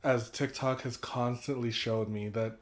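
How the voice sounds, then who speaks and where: A young man hosting a podcast, chatting casually with a friend, animated and laughing often. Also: medium pitch, measured pace, crowd noise. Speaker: podcast host. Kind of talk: casual chat.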